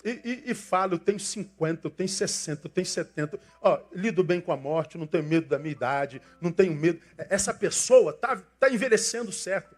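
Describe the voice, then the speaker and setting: An older man with a Brazilian Portuguese accent, preaching a sermon with passion, swinging from loud emphasis to soft asides. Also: sits high, animated, fairly quick, hardly any pauses. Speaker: pastor.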